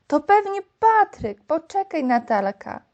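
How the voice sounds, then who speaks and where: A woman voicing an inventive, lively little girl in a storybook reading, with excited, eager calls. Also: high voice, measured pace, muffled recording, voice pushed up.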